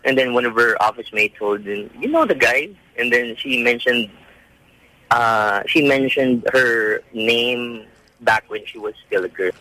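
A male caller tells his story on a radio show, stopping and restarting his sentences. His mid-pitched voice is bright and sounds dry. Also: measured pace, no echo, rough recording. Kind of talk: telling a story on air.

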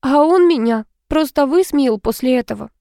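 A woman's voice: sits high, animated, moderate pace, no echo, voice pushed up. A woman voicing a moody, popular young woman student who snaps curtly, in a dry recording. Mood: dramatic. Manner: sharp, curt.

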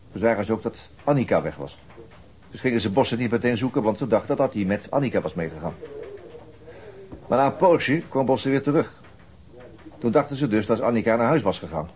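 An actor playing a methodical, sober police detective in a radio drama. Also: male voice, mid-range voice, a little mellow, close to an everyday voice.

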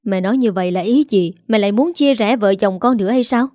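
A woman voicing a bitter grown son who shouts reproachfully at his mother. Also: medium pitch, a little fast, no echo, clean studio sound, close to an everyday voice.

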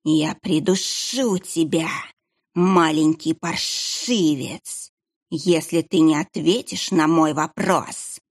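Lady doing a creepy hissing monk, super slow and gravelly. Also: low-pitched, heavily acted. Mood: menacing hiss. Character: sinister hooded male monk, menacing and cruel.

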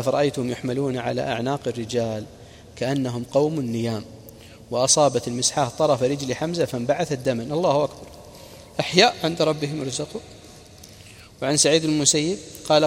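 A man's voice: medium pitch, fairly even intonation, very fast, long reverb tail, slight background noise. A man preacher narrating a religious history lesson, recounting reports and quoted sayings with brief explaining asides.

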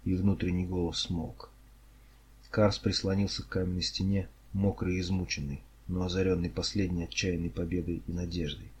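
A man narrating an audiobook in a steady, dramatic reading style. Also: sits low, moderate pace, husky. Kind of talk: scripted narration.

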